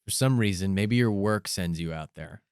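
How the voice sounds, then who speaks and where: Man, podcast co-host, rambling joking storyteller, smooth clear voice, dry close sound. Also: sits low, moderate pace, a little mellow, dry recording. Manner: rambling, spins joking hypothetical stories. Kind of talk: casual comedic chat.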